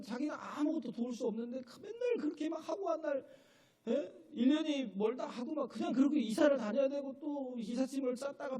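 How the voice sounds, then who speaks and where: A male pastor preaching a sermon in a church, emphatic, often checking in with the congregation, building to shouted and tearful peaks. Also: very high-pitched, slightly rough. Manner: emphatic, keeps asking the congregation "예?". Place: church sanctuary.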